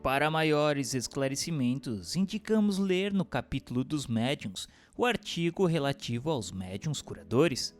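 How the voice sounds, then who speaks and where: A Brazilian man reading a scripted text as a narrator, in a formal, measured, didactic manner. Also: mid-range voice. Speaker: narrator reading a religious treatise. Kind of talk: scripted audiobook narration for radio. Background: instrumental music.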